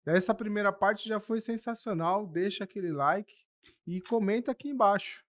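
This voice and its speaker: Brazilian podcast host, affirming. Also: male voice, high voice, normal speed, no echo, clean studio sound. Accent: Brazilian Portuguese. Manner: affirming, with frequent amens, urges viewers to comment. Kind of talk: podcast interview.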